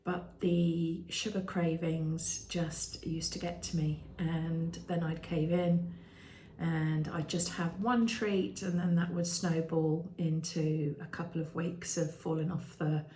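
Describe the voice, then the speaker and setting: A British woman in her fifties, vlogging candidly with many ums and restarts and a voice that turns croaky at times. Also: low voice, level tone, slow pace, mellow, slight background noise. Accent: British English. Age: 50s. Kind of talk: candid personal vlog. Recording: echoey room.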